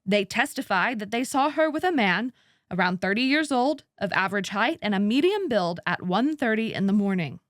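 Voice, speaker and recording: A woman reading scripted narration as an audiobook narrator, in a measured, precisely enunciated way. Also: mid-range voice, animated, no room sound, studio quality.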